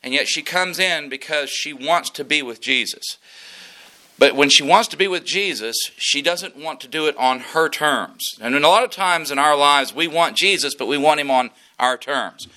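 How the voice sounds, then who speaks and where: Preacher guy, folksy and animated, bright edgy voice, a bit high. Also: normal speed. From West Texas. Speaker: pastor. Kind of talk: sermon.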